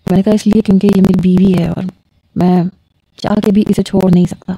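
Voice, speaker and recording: A woman storyteller reading a scripted romance story, voicing every character in her own voice and lifting her pitch for quoted lines. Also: level tone, mellow, slightly rough, dry recording, studio quality.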